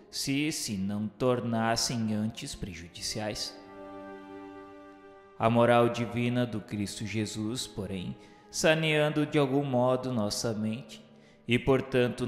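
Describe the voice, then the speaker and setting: A man with a Brazilian accent reads solemn scripted narration for a spiritual radio novel, with formal, oratorical diction. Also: mid-range voice. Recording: echoey hall reverb, music underneath.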